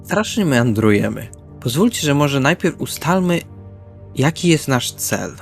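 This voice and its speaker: A man's voice: medium pitch, lively intonation, measured pace, creaky. A man speaking in character in a tabletop roleplaying discussion, organising things in somewhat formal wording. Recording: music bed under the voice. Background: background music.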